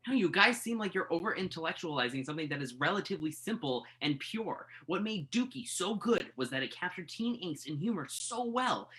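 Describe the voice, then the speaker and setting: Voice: medium pitch, expressive, fairly quick, few pauses, a bit bright, natural voice. An actor playing a skeptical, wry journalist in a play reading, argumentative and questioning. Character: skeptical, wry entertainment journalist debating music. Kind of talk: conversational dramatic play reading. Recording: virtual reading over internet call.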